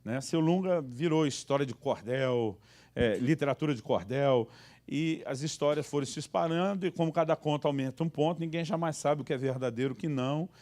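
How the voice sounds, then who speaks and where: A man's voice: on the high side, fairly quick. A male pastor preaching a humorous sermon, telling anecdotes and acting out the voices in them. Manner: animated, acts out voices in anecdotes.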